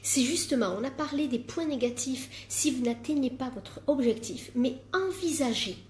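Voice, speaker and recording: Emphatic woman life coach, fairly high voice. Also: moderate pace, darkish tone, a little hiss or hum. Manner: emphatic, repeats words for stress, jokes at herself. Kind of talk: live-streamed coaching talk.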